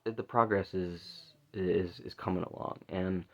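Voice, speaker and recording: A man with a low voice and plenty of vocal fry chats casually to a video diary. He rambles haltingly, repeating words and trailing off. The sound is somewhat dull and lo-fi. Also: steady tone, fairly bright tone. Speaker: vocal student keeping a practice diary. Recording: dull lo-fi recording.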